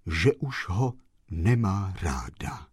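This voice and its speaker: A man voicing a mournful gentleman dressed in black, speaking in a hollow, grave voice, slow and sorrowful. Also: deep voice, big pitch swings, slightly rough, dry recording, studio quality, pitched below the performer's own voice, exaggerated voice.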